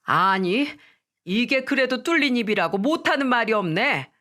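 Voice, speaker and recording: A woman voicing a scornful, domineering older mother-in-law who scolds slowly. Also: fairly high pitch, expressive, pushed and bright.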